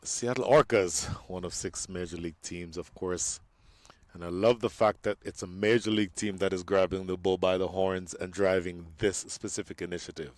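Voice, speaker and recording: A man giving live cricket commentary, animated and joking, his voice jumping up on the big moments. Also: fairly low pitch, dry recording.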